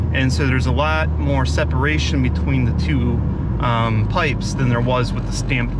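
A moderate pace in a dry sound with no echo, over loud background noise. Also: man. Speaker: car vlogger. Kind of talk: casual vlog chat. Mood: excited, curious. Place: car. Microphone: phone near.

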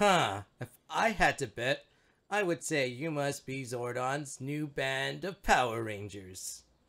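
A man puts on a character voice at a medium pitch. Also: fairly slow pace. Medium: actual play. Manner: scornful, imperious.

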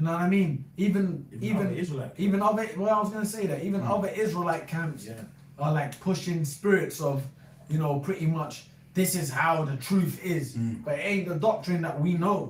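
There is audible room echo around the voice. A man talks at a fairly quick pace in a high pitch. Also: ordinary pitch variation. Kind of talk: casual religious discussion. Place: home room. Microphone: camera far.

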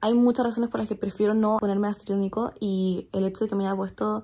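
At a moderate pace, a woman speaks with a dark, mellow, somewhat breathy tone and fairly even intonation. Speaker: vlogger. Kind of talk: casual vlog chat. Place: home room. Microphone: phone near.

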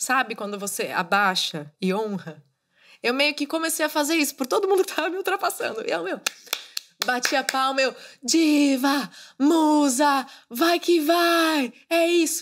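A woman's high, animated voice at a fairly slow pace, with very wide pitch swings against a quiet background. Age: 30s. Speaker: podcast host. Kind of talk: motivational monologue. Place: home room. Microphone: studio mic.

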